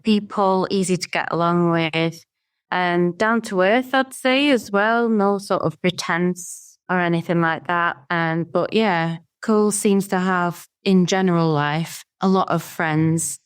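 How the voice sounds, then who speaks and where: A woman's voice: on the low side, fairly even intonation, unhurried, smooth. A woman in her thirties chatting casually as a podcast guest. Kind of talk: casual interview chat.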